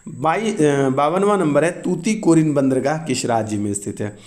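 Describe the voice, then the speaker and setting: A man with a Bihari Hindi accent going through exam questions one by one, explaining the answers in a casual, quick teaching manner with frequent asides. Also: a little high, darkish tone.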